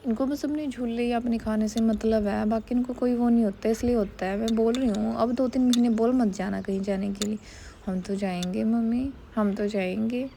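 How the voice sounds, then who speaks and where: A woman's voice: fairly high pitch, fairly even intonation, fairly quick, creaky, hardly any pauses, mellow, slight background noise. A woman in her thirties, a mother casually narrating her family's day and teasing her kids, recorded on a phone. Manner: chatty, scolding and teasing about her kids. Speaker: vlogger and mother.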